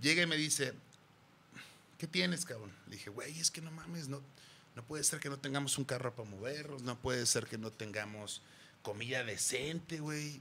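At a moderate pace, a man of medium pitch and ordinary pitch variation speaks in a plain, everyday voice. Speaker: singer and musician. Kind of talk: casual chat.

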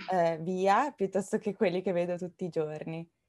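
Against a quiet background, a woman speaks at medium pitch with fairly even intonation and a plain, everyday voice. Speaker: podcast host. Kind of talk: casual interview.

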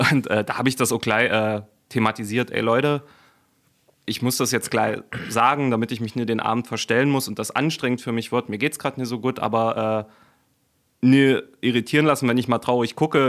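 A man's plain, everyday voice at medium pitch, fairly even in intonation and fairly quick in pace, on a very clean recording with a silent background. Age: 30s. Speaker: podcast co-host. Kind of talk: casual chat.

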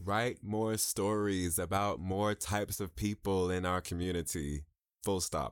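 Recorded very cleanly against a silent background, a man with a New York accent speaks slowly-ish, at a fairly slow pace, with a fairly low pitch, fairly even intonation and very even loudness. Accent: New York American. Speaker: performing artist. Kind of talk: interview conversation.

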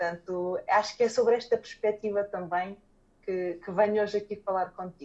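A woman speaks at a moderate pace in a normal speaking voice. Her pitch is medium and her intonation fairly even. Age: 30s. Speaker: coach and mentor. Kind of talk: conversational interview. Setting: Instagram live video call.

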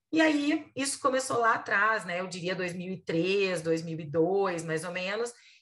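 With a slight gaúcho accent, a woman speaks at a very slow pace and medium pitch, making very wide pitch swings and hardly any pauses. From southern Brazil (Rio Grande do Sul). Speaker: nutritionist and professor. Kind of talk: podcast interview.

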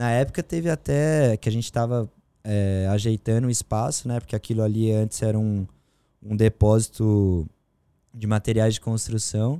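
Dark, mellow male speech captured in a very clean recording with a silent background. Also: medium pitch for a man, ordinary pitch variation, moderate pace, dry, close sound with no echo. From interior of São Paulo state, Brazil (Tatuí). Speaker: painter. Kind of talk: casual interview.

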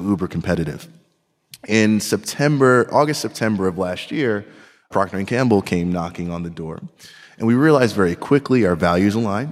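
With an American accent, an ordinary speaking voice moves at a fairly quick pace with lively intonation. The recording is very clean, with a silent background. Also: man. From Queens, New York. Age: 30s. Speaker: entrepreneur. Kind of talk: interview.

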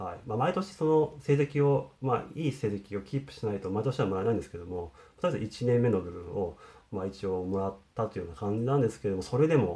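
Somewhat breathy and dark, mellow in tone, a man's voice moves at a fairly quick pace with lively intonation. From Japan, Chiba (Funabashi). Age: 30s. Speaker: financial analyst. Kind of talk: casual vlog monologue. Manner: hesitant, many fillers.

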